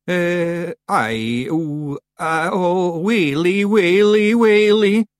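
Woman as a high, moaning, dim Scottish fairy man. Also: big pitch swings, normal speed, dry recording, clean studio sound. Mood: panicked moaning. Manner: moaning, pleading. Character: tiny dim timid male fairy, whining and fearful.

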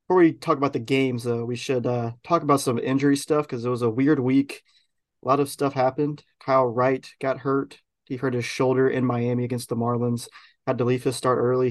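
A man hosting a podcast, chatting casually about a baseball team's week, talking loosely with lots of ums and restarts. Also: medium pitch. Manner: relaxed, rambling with many fillers. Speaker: podcast host. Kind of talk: casual sports chat.

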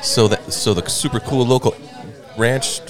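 A man's voice: medium pitch, measured pace, a crowd in the background. A man casually chatting and joking while eating a burger at a restaurant. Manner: joking, playful. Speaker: co-host of a food review show.

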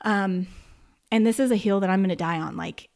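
A woman's voice: medium pitch, fairly quick, gravelly, a little mellow. A woman who teaches first grade, talking casually and emphatically in a podcast monologue, with lots of "like". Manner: emphatic and chatty, says "like" often.

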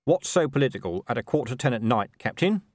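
A man playing a weary, sardonic senior policeman in an audiobook, speaking in a dry, deliberate, clipped way. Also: medium pitch, big pitch swings, a little mellow, no echo. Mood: dry, probing. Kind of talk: audiobook character voice.

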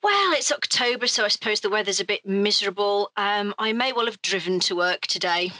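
Bright-voiced woman playing a tabletop game. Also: medium pitch, expressive, brisk, no room sound, rough recording. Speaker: player. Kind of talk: tabletop role-play, speaking as her character.

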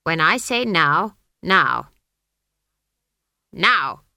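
A bossy old witch , put on by a woman reading aloud, scolds in clipped, imperious bursts. Her lowish voice swoops up and down with bright, cutting force. The sound is close and dry, like a storybook reading. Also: very animated, very slow, vocal fry, smooth, dry recording, heavily acted. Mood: commanding. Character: stern old witch, sharp-tongued and commanding. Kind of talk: audiobook character voice.

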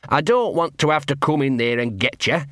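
A scruffy little talking dog, put on by a male reader, nervous and streetwise. He rambles in circles with cheerfully broken grammar, voice pitched a little up. Dry, close storybook sound. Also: lively intonation, fairly quick, fairly bright tone, no room sound. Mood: rambling, nervous. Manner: rambling, ungrammatical, wheedling.

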